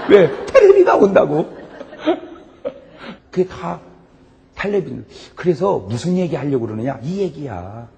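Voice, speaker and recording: Male pastor, high and very animated, joking storyteller in a reverberant church hall. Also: gravelly. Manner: animated storytelling with frequent laughs and shouted punchlines. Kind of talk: humorous revival sermon. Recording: long hall reverb, faint background noise.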